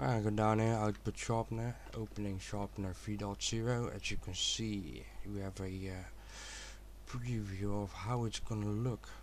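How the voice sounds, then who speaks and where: A man with a Dutch accent speaks at a fairly slow pace over noticeable background noise. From Netherlands. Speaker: video tutorial maker. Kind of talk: tutorial. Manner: halting.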